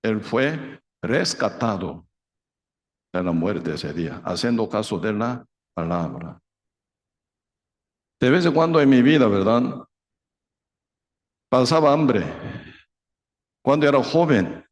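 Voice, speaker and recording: Korean-accented pastor preaching in Spanish. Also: male voice, lowish voice, sing-song, slow, long pauses. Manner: broken Spanish, tag questions, loud dramatic reenactments. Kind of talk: sermon.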